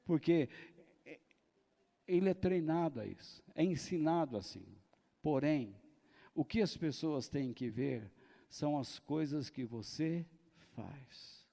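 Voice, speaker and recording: Pastor guy preaching real slow, kinda high voice, big echoey church hall. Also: expressive, creaky. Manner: slow, deliberate preaching with sudden shouted dramatizations. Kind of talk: sermon. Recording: long hall reverb.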